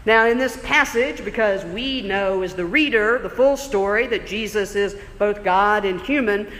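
A man preaching a sermon in a church, conversational and explanatory, slowing down for emphasis. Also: sits high, fairly bright tone. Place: church sanctuary. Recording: long church reverb.

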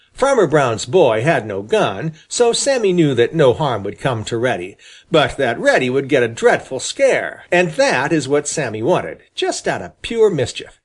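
Man, audiobook reader, husky voice, lively pitch, expressive children's storytelling.

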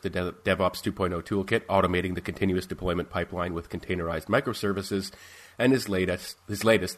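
A man hosting a podcast interview, asking questions in a measured way with frequent ums. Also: deep voice. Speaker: podcast host.

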